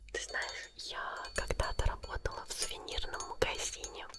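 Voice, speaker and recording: Someone whispers at a very slow pace. Noticeable background noise runs underneath. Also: woman. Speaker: ASMR artist. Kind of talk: ASMR sleep video, personal attention talk. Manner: whispered, soft.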